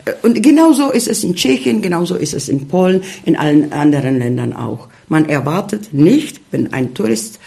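A middle-aged man, a guest in a casual interview, talking haltingly with many fillers as he searches for words. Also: a little high, expressive, gravelly, dark tone.

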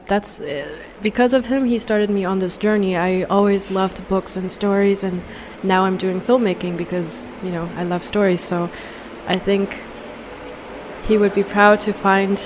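A woman filmmaker speaking in a reflective, halting way, with filler words. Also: mid-range voice, steady tone, background noise. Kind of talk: reflective interview answer.

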